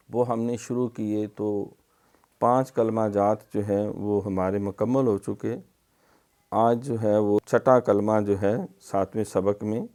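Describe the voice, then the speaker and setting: A middle-aged man with a Pakistani Urdu accent teaching Quran recitation, drilling letter sounds slowly and then explaining them. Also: on the low side. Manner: stretches syllables, louder on drills. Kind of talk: recorded tajweed lesson.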